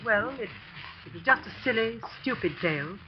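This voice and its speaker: A woman's voice: a little high, expressive, brisk, slight background noise, close to an everyday voice. An actress playing an older woman, a school housekeeper who hesitantly confides gossip, in a 1940s radio drama. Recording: muffled 1940s radio broadcast.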